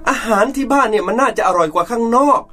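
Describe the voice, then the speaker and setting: A man's voice: very high voice, animated, quick pace, pushed and bright, faint music behind, full character voice. An actor playing a bossy, self-righteous rich businessman and father who scolds his staff and family. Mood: irritated. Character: domineering rich middle-aged businessman father.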